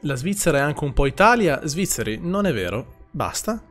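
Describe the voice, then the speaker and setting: A man's voice: a little high, faint music behind. A young man streaming a horror game live, chatting casually with his viewers, swearing often and rattling off their names. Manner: lively, swears casually, reads chat names quickly.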